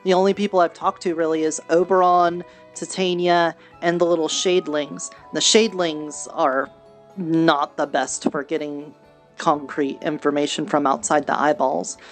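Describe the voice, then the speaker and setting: A low voice over music: a woman as a clawed creature of the woods in fantasy roleplay. She is earnest and candid, thinking aloud in a plain, matter-of-fact way. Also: little pitch movement, normal speed, lightly acted. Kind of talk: improvised VRChat fantasy roleplay.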